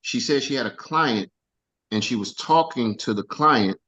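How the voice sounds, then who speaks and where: A man coaching a team on a video call, energetic and casual, repeating himself for emphasis. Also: mid-range voice, a little slow, breathy edge.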